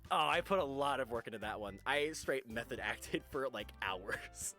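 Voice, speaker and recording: Male streamer, animated intonation, bright tone, casual live chat, game music underneath. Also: medium pitch, moderate pace.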